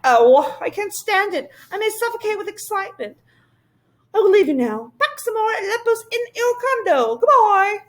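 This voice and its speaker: A woman voicing an excitable, fussy old male Whangdoodle king who lisps and gushes. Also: very high voice, normal speed, voice pushed up. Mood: excited. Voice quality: lisping. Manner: gushing, chattering, anxious.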